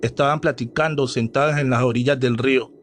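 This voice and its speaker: A man reading a horror story aloud as a storyteller, dramatic and measured. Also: mid-range voice, fairly even intonation, slight background noise. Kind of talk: scripted horror story narration.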